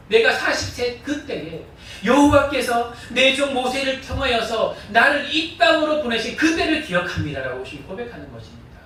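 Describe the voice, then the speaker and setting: High, animated preaching man in echoey hall. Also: slight background noise. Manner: earnest preaching with repeated call-and-response prompts. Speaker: pastor. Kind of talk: sermon. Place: church sanctuary. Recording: echoey church hall, distant mic.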